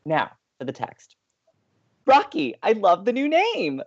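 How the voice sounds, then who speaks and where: An earnest, teasing college radio co-host in a scripted audio comedy, sociable and keen on romance. The pitch swings in a lively way with theatrical emphasis, and the sound is slightly dull. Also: takes it slowly, dry recording, heavily acted. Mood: playful.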